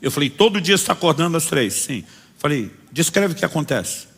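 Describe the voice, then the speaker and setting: Man, pastor, sermon, animated storytelling, slightly high voice, long hall reverb. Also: a little fast, slightly rough. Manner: animated storytelling, voicing people in his stories. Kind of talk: sermon with acted-out anecdotes.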